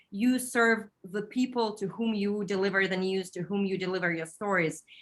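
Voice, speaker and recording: In a Russian accent, a woman speaks at a moderate pace and medium pitch with fairly even intonation. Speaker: TV journalist. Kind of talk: interview.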